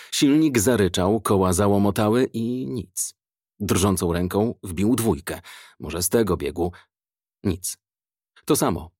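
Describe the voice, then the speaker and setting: A man narrating an audiobook in a measured, dramatic storytelling manner. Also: on the low side, darkish tone, no echo, clean studio sound.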